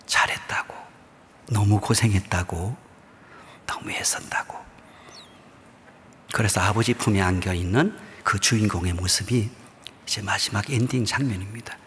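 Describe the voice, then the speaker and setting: Low-voiced man preaching in a reverberant church. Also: normal speed, long pauses, slight background noise. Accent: Gyeongsang dialect. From Busan, South Korea. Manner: storytelling, often dropping to a hushed near-whisper. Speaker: pastor. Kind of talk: sermon. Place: church sanctuary. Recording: long reverb of a church hall.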